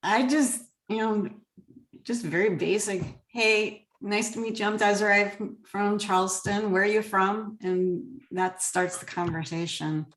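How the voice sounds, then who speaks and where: A woman's voice: medium pitch, steady tone, a little slow, a bit bright. A woman from Connecticut, a real estate agent, explaining her work conversationally as an interview guest. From Connecticut, United States. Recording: roomy echo.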